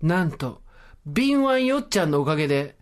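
A woman co-hosting a casual podcast, joking and bantering quickly. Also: low-pitched, very animated, very noisy. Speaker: podcast co-host. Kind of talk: casual chat.

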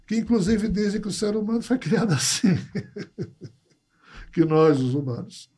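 A man, a podcast guest who explains ideas and tells stories in a relaxed, conversational way. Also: sits high, a little slow, slightly rough. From Natal, Brazil. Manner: storytelling, acts out quoted dialogue. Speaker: podcast guest, writer and ufologist.

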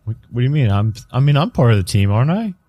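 A man's voice: mid-range voice, very animated, quick pace, mellow, dry recording. A man voicing an evasive male mission handler in a tabletop game who rambles and hesitates, with many restarts.

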